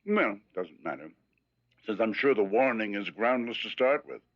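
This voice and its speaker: A man's voice: fairly low pitch, animated, normal speed. King Xerxes, regal and proud. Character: proud king, confident and stately. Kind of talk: animated Bible drama. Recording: dull lo-fi sound.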